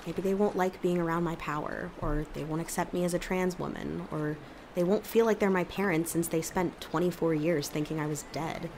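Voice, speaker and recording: Actress playing young woman, lowish voice, worried, wry, natural audio-drama delivery, faint background ambience. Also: fairly even intonation, moderate pace, a little mellow, slight background noise, lightly acted. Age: young adult. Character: worried young woman cryptid with emotion-reading power, wryly teasing.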